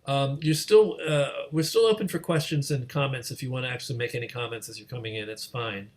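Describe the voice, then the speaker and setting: Man, mid-range voice, online host, casual moderation, halting, repetitive phrasing. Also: mid-range voice. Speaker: host of an online community gathering. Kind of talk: casual moderated video-call discussion. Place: remote video call.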